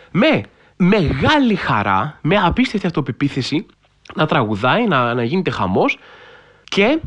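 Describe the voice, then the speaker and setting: A man hosts a casual podcast, spinning a story with wry disbelief. His voice sits a bit high for a man and swings widely up and down as he gets carried away. He peppers his talk with fillers and loose asides. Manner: animated storytelling with frequent filler phrases; wry, incredulous humor. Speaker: podcast host.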